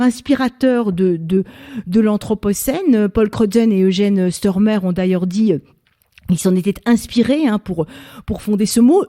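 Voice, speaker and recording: Mellow-voiced woman moderating a debate. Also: mid-range voice. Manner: presenting with frequent fillers. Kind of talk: moderating a public science debate. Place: French national library event.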